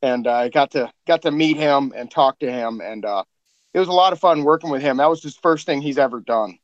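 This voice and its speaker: A man's voice: mid-range voice, fairly quick, no room sound. Guy rambling on about his cast, lots of uhs, dull muffled dry sound. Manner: rambling, enthusiastic praise with many fillers. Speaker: podcast producer. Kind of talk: casual behind-the-scenes chat.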